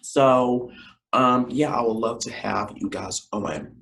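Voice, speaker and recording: A man hosting his own podcast, closing an episode in a loose, rambling way, full of fillers and talk to "you guys." His voice is scratchy and deeper than usual because he is feeling unwell. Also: takes it slowly, creaky, fairly bright tone. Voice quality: deep, scratchy voice. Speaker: podcast host. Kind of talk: casual solo podcast outro.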